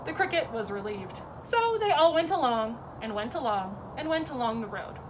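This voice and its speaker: A woman's voice: on the high side, very animated, moderate pace. A woman reading a children's storybook aloud as an educator at story time. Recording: distant mic with clear background noise.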